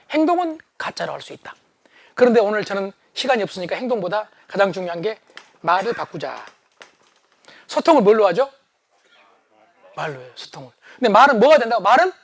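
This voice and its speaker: Middle-aged man, high voice, lively humorous lecturer, dry close sound. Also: dry recording. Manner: animated, shouting for emphasis.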